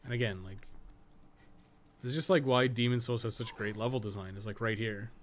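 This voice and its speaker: A man's voice: fairly low pitch, fairly quick, a little hiss or hum. A man giving casual live gameplay commentary, thinking aloud in a rambling way and swearing casually. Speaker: podcast co-host and game guide writer.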